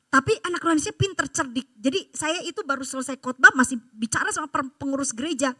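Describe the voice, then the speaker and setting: High, bright-voiced woman preaching. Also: quick pace, no echo, clean studio sound. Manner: animated storytelling, emphatic exhortation. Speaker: pastor. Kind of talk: sermon. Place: church service.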